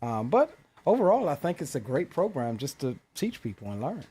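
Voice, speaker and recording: Male podcast guest, warm mellow tone, measured explainer. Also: on the high side, sing-song, slightly rough. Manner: measured, explanatory, frequent ums. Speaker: guest flight sim creator. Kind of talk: casual podcast chat.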